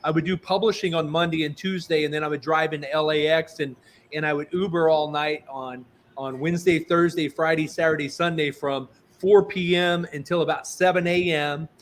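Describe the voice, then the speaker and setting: A man's voice: fairly high pitch, steady tone, a little fast, a little hiss or hum. A man in his fifties hosting a talk show, chatty and enthusiastic, rambling between stories. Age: 50s. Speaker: host. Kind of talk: casual interview chat.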